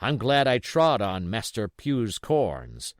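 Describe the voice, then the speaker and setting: A hearty male revenue officer, as a narrator puts him on, blunt and used to command. He speaks out firmly and emphatically with lively swings of pitch, in classic adventure storybook style. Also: takes it slowly, no echo, clean studio sound. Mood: gruff, resigned. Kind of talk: audiobook character voice.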